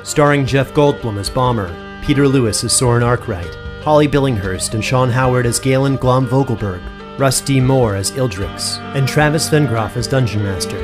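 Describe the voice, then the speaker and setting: A man with a medium-pitched voice narrates an audio drama. His scripted delivery is measured and deliberate, with plucked guitar music clearly behind him. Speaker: narrator and credits announcer.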